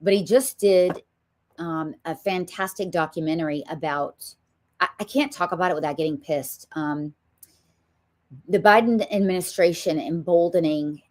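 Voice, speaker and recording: A woman's voice: fairly low pitch, fairly even intonation, normal speed, a little mellow. Emphatic Southern woman hosting a talk show. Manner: emphatic, opinionated, with frequent ums. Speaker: show host. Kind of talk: political talk show chat.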